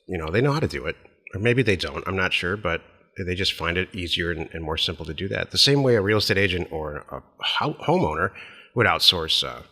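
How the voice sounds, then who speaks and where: Casting: blunt American male podcast co-host, husky and fast-talking, opinionated, in a reverberant space. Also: sits low, lively intonation, bright, forceful tone. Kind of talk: casual business advice chat.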